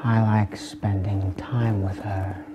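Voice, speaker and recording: A man's voice: fairly low pitch, flat delivery, slow pace, loud music behind the voice. A sly, teasing male patient. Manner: drawling, teasing. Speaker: hypnotized patient. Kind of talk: video game cutscene acting.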